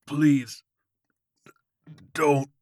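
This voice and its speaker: Man playing a soft, feeble old man. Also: fairly high pitch, fairly even intonation, drawn-out words, no echo, clean studio sound, pitched above the performer's own voice. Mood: pleading. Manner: soft-spoken, hesitant. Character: feeble, frightened old man, placating and pleading.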